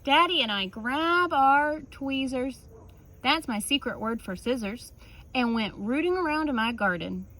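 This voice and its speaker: Higher-voiced woman reading a children's story. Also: lively intonation, a little slow, sharp tone, rough recording. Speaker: teacher reading a picture book aloud. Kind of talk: children's story read-aloud with casual asides.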